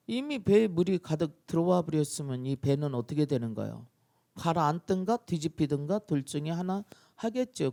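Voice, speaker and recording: A male pastor preaching a dawn-prayer sermon, telling the story in an animated way and acting out scenes. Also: fairly high pitch, vocal fry.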